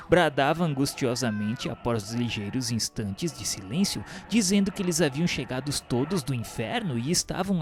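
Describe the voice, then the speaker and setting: A man's voice: medium pitch, natural voice. A man narrating a radio drama from a script in a formal, solemn, literary manner. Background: music.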